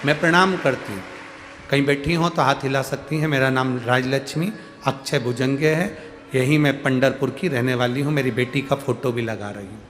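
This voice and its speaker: A man's voice: mid-range voice, steady tone, a bit bright. Echoing male Hindu preacher. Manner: emphatic, repeats phrases, drawn-out words for effect. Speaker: Hindu preacher and scripture storyteller. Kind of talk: devotional sermon to a gathering, reading out devotees' letters. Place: large public religious gathering. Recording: echoey large-venue PA with music.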